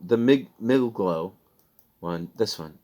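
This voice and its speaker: This online reseller has a lowish, darkish voice with lively intonation, and he takes his time speaking in a Midwestern American accent. He chats casually and ramblingly about his sold items, laughing at himself along the way.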